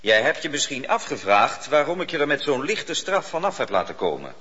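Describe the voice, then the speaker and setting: An actor playing a cold, ambitious judge who questions a poacher in a commanding, probing manner. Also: male voice, mid-range voice, big pitch swings, brisk, pushed and bright. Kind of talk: radio drama acting. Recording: dull old radio recording with long reverb.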